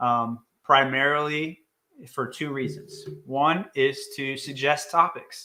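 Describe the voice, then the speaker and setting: A man speaks loudly at a very slow pace, his fairly high voice bright and sharp in tone with fairly even intonation. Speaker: real estate investing podcast co-host. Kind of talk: live stream chat.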